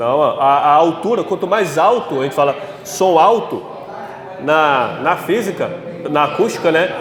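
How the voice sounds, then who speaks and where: A man with a high pitch speaks at a fairly slow pace with long, frequent pauses and ordinary pitch variation, with audible room echo and noticeable background noise. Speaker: physics teacher. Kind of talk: classroom lecture. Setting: classroom with students. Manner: informal, conversational.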